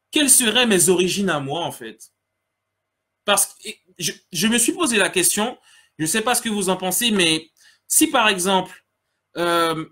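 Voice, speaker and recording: On his casual solo podcast, a man from French Guiana with a high, pushed, bright voice goes through listener comments. He addresses his listeners directly and with earnestness.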